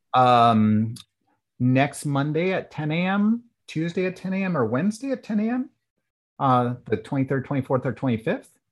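Against a quiet background, a man with an American accent speaks at a fairly slow pace, his pitch swinging very widely. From United States. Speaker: podcast host and psychologist. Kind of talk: interview.

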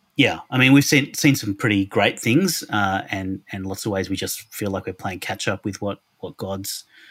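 Big swings in loudness mark this man's fairly low voice, which carries an Australian accent. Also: ordinary pitch variation, moderate pace. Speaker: church planting director. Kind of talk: interview conversation.

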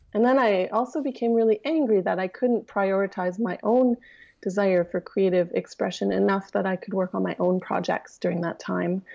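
In an unremarkable speaking voice, a woman with a Canadian accent talks at a moderate pace and medium pitch, with ordinary pitch variation. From Canada, Yukon. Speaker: creativity and memoir writing teacher. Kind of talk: interview; guided meditation.

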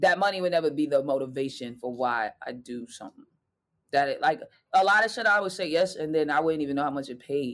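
A woman with an American accent talks at a very fast pace. Her very deep, low pitch carries lively intonation and big swings in loudness. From Boston, Dorchester. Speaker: stand-up comedian and TV comedy writer. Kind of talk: casual interview.

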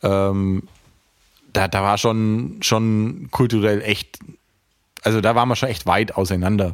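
A man with a fairly low pitch and fairly even intonation, at a very slow pace with long, frequent pauses. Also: very clean recording, silent background. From Bavarian Swabia, Germany (near Augsburg). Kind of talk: casual chat.

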